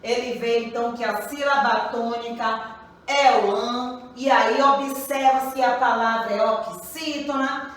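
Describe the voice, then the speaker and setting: Teacher, female, slow and patient, echoey room, distant mic. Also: sits high, a bit bright. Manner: slow, patient, repeats questions to pupils. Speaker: primary school teacher. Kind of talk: recorded grammar lesson for children.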